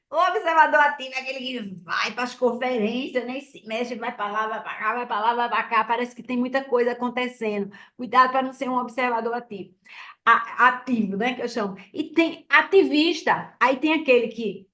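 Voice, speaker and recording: A woman's voice: a little high, moderate pace, sharp tone. A woman preaching a sermon in a conversational, teaching way, often checking in with listeners by asking "né?". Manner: conversational, teaching, frequent "né?" tag questions.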